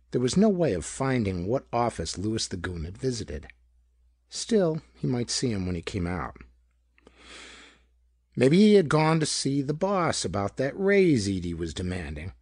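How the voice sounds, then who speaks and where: A man reading a pulp detective story aloud as scripted narration, with a slightly rough voice and dramatic, expressive delivery. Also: lowish voice, no room sound, clean studio sound. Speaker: audiobook narrator.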